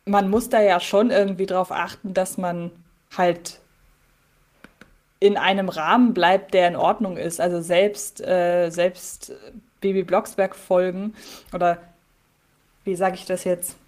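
A woman's voice: fairly low pitch, steady tone, a little slow, pauses often, a little mellow. Hesitant woman podcast co-host thinking aloud. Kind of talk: casual podcast chat.

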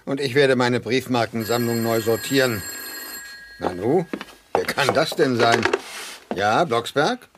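A man's voice: mid-range voice, a little slow, long pauses, close to an everyday voice. An actor playing a settled, homely father in a 1980s children's audio drama. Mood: puzzled. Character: settled, homely father startled by an evening call. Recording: noisy old audio drama sound.

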